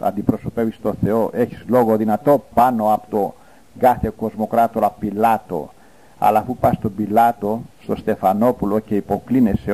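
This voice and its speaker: Man preaching, a fiery scornful priest, dark mellow voice, sudden loud bursts. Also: mid-range voice, low-quality recording. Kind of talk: fiery sermon.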